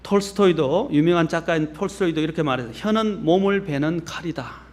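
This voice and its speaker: A middle-aged pastor delivers a measured, earnest sermon, his slightly high voice carrying a faint Gyeongsang accent. He climbs in pitch and force to drive home each point, then drops low and soft as phrases close. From Gyeongsang region, Korea.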